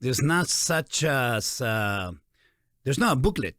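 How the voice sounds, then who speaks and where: A man in his forties with a Peruvian Spanish accent, hosting a casual interview in an animated, encouraging way. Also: mid-range voice, takes it slowly, no echo, studio quality. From Peru. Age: 40s. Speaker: interview host.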